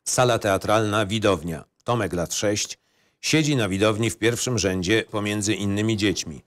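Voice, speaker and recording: A man's voice: fairly low pitch, moderate pace. A man reading scene descriptions and stage directions as scripted narration.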